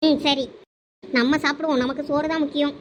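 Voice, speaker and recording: A woman's voice: sits high, steady tone, fairly quick, very noisy, lightly acted. A woman in a village comedy skit, voicing a lazy young male friend who teases his buddy. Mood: teasing. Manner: teasing, joking.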